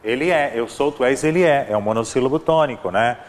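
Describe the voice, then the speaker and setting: A man's voice: mid-range voice, a little fast. Brazilian man teaching grammar, reverberant room. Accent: Brazilian Portuguese. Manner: explanatory, repeats examples, frequent "né?" and "ó". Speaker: Portuguese language teacher. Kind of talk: exam-prep grammar lesson.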